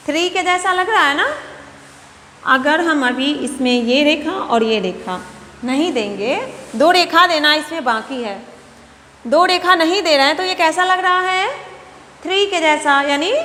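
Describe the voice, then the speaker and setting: Woman, high voice, slow and patient, nursery teacher, repeats steps, echoey room with long reverb. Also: a bit bright, a little hiss or hum. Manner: repeats each step, coaxing questions to children. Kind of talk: slow, patient classroom instruction.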